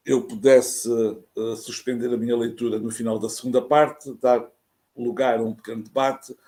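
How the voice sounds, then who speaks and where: A man with a European Portuguese accent giving a formal academic lecture over a video call, speaking in a careful, measured way as a university professor. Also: mid-range voice, dark tone. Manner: measured, careful, formal delivery with hesitations when speaking off text. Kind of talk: academic lecture read from a prepared text.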